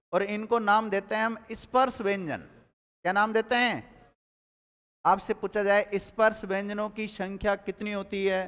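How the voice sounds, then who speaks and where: High-voiced man teaching in an echoey room. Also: fairly bright tone, clear, resonant tone. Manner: drills students with repeated questions and answers; calls on students by name. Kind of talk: live online Hindi grammar class.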